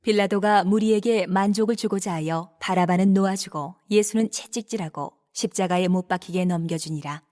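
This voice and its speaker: A woman narrating scripture from a script in a measured, clearly enunciated reading style. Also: mid-range voice, a little mellow.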